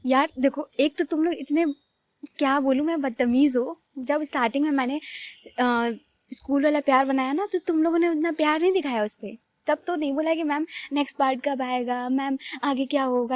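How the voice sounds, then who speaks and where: A young woman talking in a high, bright voice. She rambles casually and often laughs at herself, like chatting with friends. The recording is dry and close, with no echo. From Uttar Pradesh, India. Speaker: storyteller. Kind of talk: casual storytelling vlog.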